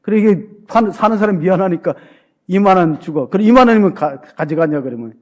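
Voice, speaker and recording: Brief: male pastor with a high voice, casual and joking sermon delivery, church setting. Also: animated, brisk. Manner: conversational and humorous, questions the congregation. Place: church sanctuary.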